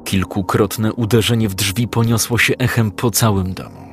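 A male narrator reading a dramatic story in a calm, measured way. His voice sits on the low side, and soft music plays faintly beneath the narration. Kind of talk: scripted audiobook narration.

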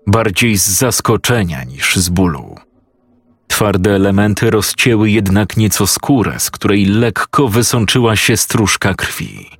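A man narrating a horror story in a measured, storytelling manner. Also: fairly low pitch, breathy edge, no room sound, studio quality.

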